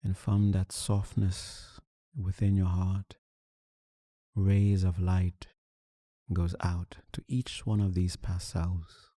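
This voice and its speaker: A man leading a guided meditation, calm and soothing, speaking in deliberate short phrases with long pauses. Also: low voice, no room sound, clean studio sound. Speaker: meditation teacher.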